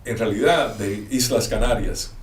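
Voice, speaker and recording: A man's voice: on the low side, measured pace. Cuban-accented man, distant in a roomy space. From Cuba. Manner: anecdotal, hesitant with fillers, joking. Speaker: guest, lawyer. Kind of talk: casual interview chat. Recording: roomy, distant mic, faint noise.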